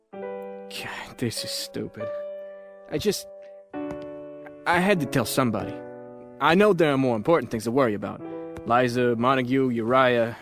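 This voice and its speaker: A man's voice: mid-range voice, close to an everyday voice. An actor playing a lovesick, sheepish man in an audio drama, talking in a hesitant, rambling, self-deprecating way. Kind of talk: audio drama acting, conversational.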